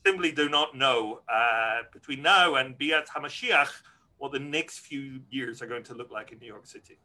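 A man's voice: medium pitch, moderate pace, bright, forceful tone. A middle-aged man from Scotland, a rabbi answering interview questions earnestly and frankly, with many restarts.

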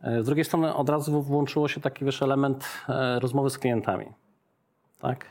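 A man's voice: mid-range voice, fairly even intonation, a little fast, a little mellow. A middle-aged man speaks as an interview guest and explains his ideas through examples. He talks in a chatty way and keeps adding a questioning "tak?" to his points. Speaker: interview guest, business owner. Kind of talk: casual business interview.

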